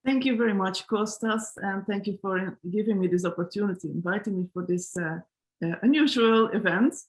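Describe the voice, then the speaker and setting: A woman's voice: mid-range voice, moderate pace, rough recording. A woman from Belgium, a physics professor, introducing herself politely on an online panel. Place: video call.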